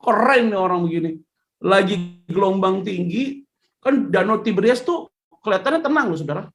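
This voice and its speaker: A male pastor preaching a lively sermon, acting out the voices of church members and people he quotes. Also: high voice, normal speed. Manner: animated, acts out voices of congregants and quotes.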